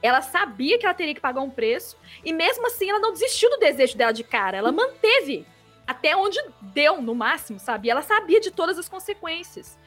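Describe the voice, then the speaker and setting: A woman's voice: extremely high pitch, sing-song, fairly quick, a bit bright, faint music behind. A woman with a Brazilian accent arguing earnestly, point by point, in a podcast chat. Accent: Brazilian Portuguese. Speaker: podcast co-host.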